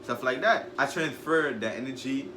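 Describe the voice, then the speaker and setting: A man's voice: mid-range voice, moderate pace. Outspoken teen boy, echoey noisy room. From Guyana. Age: teens. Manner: outspoken, lively, talkative. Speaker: student guest. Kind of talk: casual interview answers.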